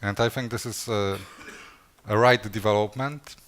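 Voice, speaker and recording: A man's voice: on the low side, steady tone, moderate pace, a bit bright, slight background noise. A man speaking at a conference, answering audience questions in a hesitant way with many fillers and restarts. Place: conference session room.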